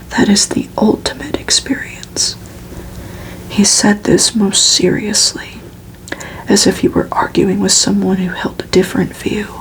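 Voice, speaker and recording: A woman whispers a gothic novel in an ASMR style, with very little rise or fall in pitch. Her reading is slow and soft, with a creaky edge to the breathy delivery. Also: rough recording. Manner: soft, unhurried, steady whispering.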